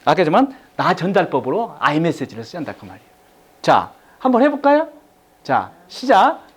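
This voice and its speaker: A man's voice: a little high, wildly swooping pitch, a little fast, slightly rough. A middle-aged man giving a live lecture to an audience, repeating key phrases and having them echo him back.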